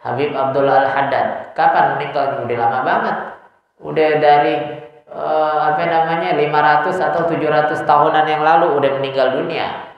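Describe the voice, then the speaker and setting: Male preacher, casual and teasing, recorded with heavy echo and a dull sound. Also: a little high. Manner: casual, teasing students with rhetorical questions. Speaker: religious teacher. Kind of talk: informal Islamic study lecture. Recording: echoey dull hall recording.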